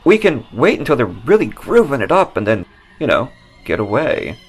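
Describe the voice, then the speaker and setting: A man playing an excitable, dim, childlike slacker in a comic horror audio drama, giddy and often stammering. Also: mid-range voice, normal speed, slightly rough, low-quality recording. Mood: excited.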